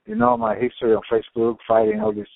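Gravelly man on a tinny line. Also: mid-range voice, fast talker, no room sound. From Cuba. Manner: animated storytelling, swearing, many fillers. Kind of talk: casual chat.

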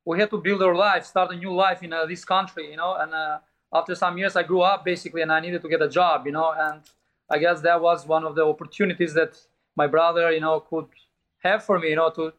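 A man's voice: fairly high pitch, flat delivery, brisk, a bit bright, poor audio. A middle-aged man from Albania and Italy with an Albanian accent, telling his story casually as an interview guest with frequent filler asides. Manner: frequent "you know" asides, non-native phrasing. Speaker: guest, pizzeria owner and chef.

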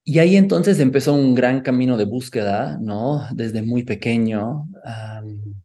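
Mellow Italian-accented man, measured. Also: mid-range voice, animated. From Italy. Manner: measured and thoughtful, often ending with a questioning "no?". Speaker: guest, somatic therapist. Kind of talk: reflective interview talk.

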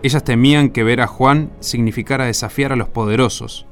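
A man's voice: mid-range voice, steady tone, a little fast. Reflective male storyteller over music. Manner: poetic, reflective. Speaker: narrator. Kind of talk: scripted radio drama narration.

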